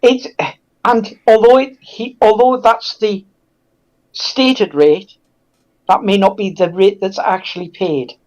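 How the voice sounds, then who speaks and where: A man speaking in a halting, reflective way as a guest in a casual discussion. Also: high voice, steady tone, darkish tone, poor audio.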